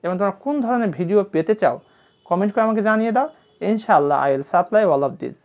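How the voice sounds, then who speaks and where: A woman teaching a spoken English lesson, repeating each English phrase slowly and carefully. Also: mid-range voice, animated, a little mellow. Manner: slow, deliberate repetition of English phrases. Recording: dull lo-fi recording.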